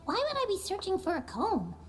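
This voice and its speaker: A woman voicing an eager, scatterbrained child bee detective in a chirpy, excitable manner. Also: very high-pitched, a little fast, full character voice. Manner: chirpy, literal-minded, excitable.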